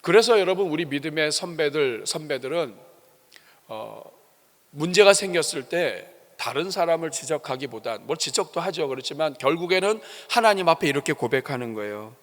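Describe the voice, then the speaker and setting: A man's voice: on the high side, expressive, moderate pace, big-room sound. Emphatic male pastor preaching. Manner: emphatic, rhetorical questions to the congregation. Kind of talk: sermon. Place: church sanctuary.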